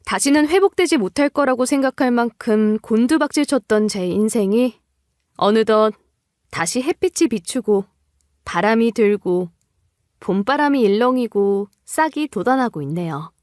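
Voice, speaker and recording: High-voiced woman narrating a story. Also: normal speed, a little mellow, dry recording, studio quality. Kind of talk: scripted first-person drama narration.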